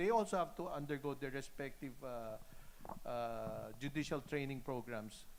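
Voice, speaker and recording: With audible room echo around him, a man with a fairly high pitch and lively intonation talks at a fairly slow pace. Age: old. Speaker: lawyer. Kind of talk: panel discussion. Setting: conference panel.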